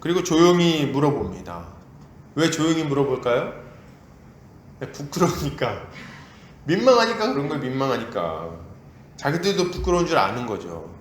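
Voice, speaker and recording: A male pastor preaching a sermon in a lively, conversational way, acting out quotes as he goes. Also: a little high, moderate pace, pauses often, echoey room, slight background noise. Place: church sanctuary.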